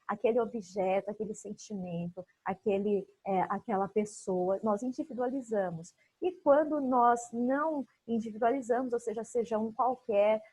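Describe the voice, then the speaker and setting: A woman's voice: sits high, husky, dry recording, poor audio. A woman with a Brazilian Portuguese accent teaching a recorded online class for young children, patiently explaining and drawing out example words.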